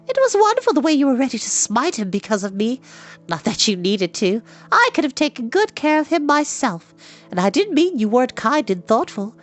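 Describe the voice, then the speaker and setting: A man's voice: very high voice, big pitch swings, a little fast, a bit bright, soft background music, pitched above the performer's own voice, exaggerated voice. A man voicing a spirited, talkative young girl who teases and scolds. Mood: teasing chatter.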